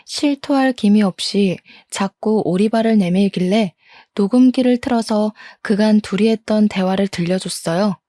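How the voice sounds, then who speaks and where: 차분하게 사연을 읽어주는 여자. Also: female voice, medium pitch, moderate pace, no room sound. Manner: calm, confessional storytelling. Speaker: story narrator. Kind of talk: first-person story narration.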